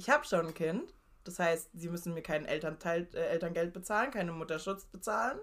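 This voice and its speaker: A woman with an unremarkable speaking voice talks at a fairly low pitch with ordinary pitch variation. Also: moderate pace. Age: 20s. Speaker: university student and band member. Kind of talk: casual chat.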